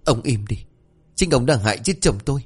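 A man voicing a desperate, furious young widow who cries out high and shrill. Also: sing-song, a little fast, slightly rough.

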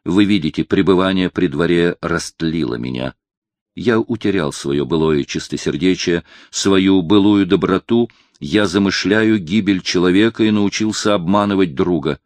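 A man's voice: sits low, moderate pace, a little mellow, no room sound, lightly acted. A man reading as a brooding young noble plotter. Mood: anguished. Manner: intense, brooding, declamatory. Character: young male nobleman, proud tormented conspirator. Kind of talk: audiobook character reading.

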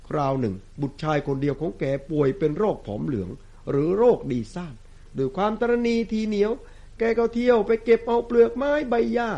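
A man's voice: sits high, gravelly, darkish tone, highs cut off. A male Buddhist monk giving a sermon, telling a scripture story expressively to the lay congregation.

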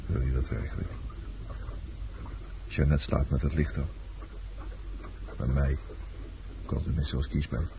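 An actor in a Dutch radio play playing a world-weary, blunt lover and sailor, terse and fatalistic. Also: male voice, rumbling low, level tone, a little slow, gravelly, pauses often, warm tone, exaggerated voice. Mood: brooding, curt. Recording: dull, noisy old radio drama recording.

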